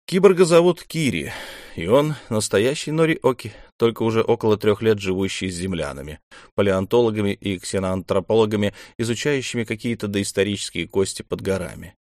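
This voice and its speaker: A male narrator reads a first-person story in a low, calm, measured voice. The recording is dry and close, with no room sound. He keeps an even pace through both the narration and his own character's lines. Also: no room sound. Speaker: audiobook narrator.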